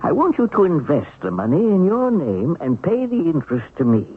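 Husky, folksy old American schemer. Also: male voice, on the high side, huge pitch swings, fairly quick, full character voice. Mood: coaxing. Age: older. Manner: folksy, coaxing, chuckling. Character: wily, folksy seventy-six-year-old pensioned bank-heist mastermind. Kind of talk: 1970s radio drama acting. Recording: muffled phone-like old radio broadcast.

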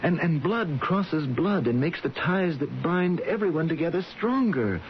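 A man's voice: on the high side, lively intonation, measured pace. An actor playing an earnest, defiant man in a forbidden love, impassioned, in a radio drama. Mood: pleading, impassioned. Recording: muffled radio broadcast with faint hiss.

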